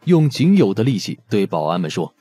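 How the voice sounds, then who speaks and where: A man's voice: lowish voice, very animated, fairly quick, mellow, breathy edge, soft background music. A man narrating a scripted audiobook story expressively.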